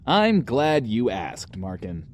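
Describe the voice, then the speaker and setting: An actor playing a flamboyant, self-important joker of a radio DJ in an audio drama, with theatrical wordplay. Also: male voice, medium pitch, wildly swooping pitch, slow pace, a little hiss or hum. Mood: jaunty, showy. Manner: hesitant stammers, theatrical wordplay. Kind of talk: in-world radio show host in an audio drama.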